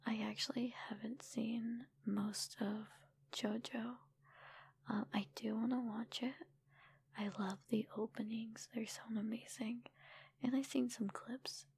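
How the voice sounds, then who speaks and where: A woman chatting casually in a soft, breathy ASMR whisper, informal and rambling, close to the microphone. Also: a little high, steady tone, unhurried. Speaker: ASMR creator and streamer answering viewer comments.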